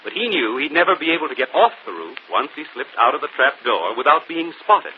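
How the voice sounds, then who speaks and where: An actor playing a brilliant, self-assured gentleman detective in a 1940s radio mystery, explaining calmly. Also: mid-range voice, brisk, close to an everyday voice. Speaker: detective and show host. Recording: muffled old radio broadcast, faint hiss.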